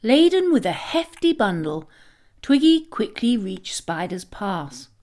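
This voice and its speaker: A woman narrating a scripted children's story in a dramatic, expressive manner. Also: medium pitch, slow.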